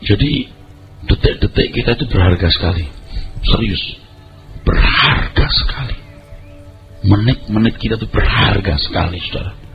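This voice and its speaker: A man's voice: lowish voice, expressive, moderate pace, long pauses. A middle-aged male pastor preaching a sermon, emphatic and conversational, with colloquial asides to the congregation. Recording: dull lo-fi audio with music behind. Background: background music.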